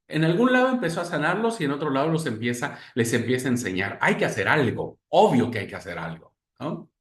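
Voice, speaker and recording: A man's voice: medium pitch, sing-song, fast, a bit bright, reverberant. A man teaching a class on Christian spirituality like a sermon, calling his listeners brothers and acting out the voices he quotes. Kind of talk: class lecture in a preaching manner.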